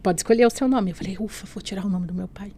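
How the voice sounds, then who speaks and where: Mulher brasileira contando seu testemunho. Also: female voice, mid-range voice, very fast, warm tone, breathy edge. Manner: earnest, often adds "né?" and "assim". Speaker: guest telling her testimony. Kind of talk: emotional personal testimony in a podcast interview.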